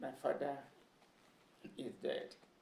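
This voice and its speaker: Audible room echo surrounds the voice of a man. He talks at a very slow pace. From Nigeria. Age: 70s. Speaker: pastor. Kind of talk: interview.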